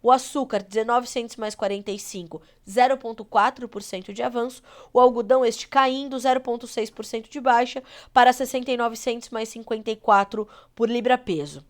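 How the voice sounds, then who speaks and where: A Brazilian woman with a cold anchoring a live agribusiness news show, her voice nasal and congested as she runs through market prices. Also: fairly high pitch. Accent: Brazilian Portuguese. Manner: brisk, reads prices in a steady run.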